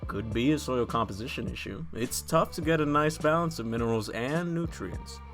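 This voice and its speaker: A man's voice: medium pitch, moderate pace, fairly bright tone, soft background music, lightly acted. A man playing a kindly, earnest plant enthusiast in an audio drama, friendly and slightly formal. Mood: reassuring.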